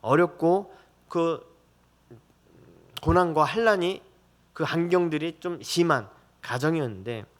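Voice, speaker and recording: A man's voice: fairly high pitch, unhurried, pauses often. A middle-aged man preaching a conversational sermon as a pastor, telling family stories and acting out voices.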